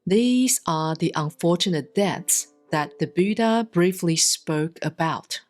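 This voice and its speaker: A woman reads a Buddhist sutra aloud in a solemn, scripted style, with measured, deliberate enunciation and long pauses. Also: lowish voice, animated, darkish tone. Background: instrumental music.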